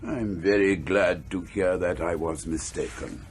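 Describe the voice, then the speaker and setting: An actor playing a miserly, hard-hearted older English businessman in a radio drama, husky, scornful and clipped. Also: low-pitched, a little slow, a little hiss or hum. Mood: dry sarcasm.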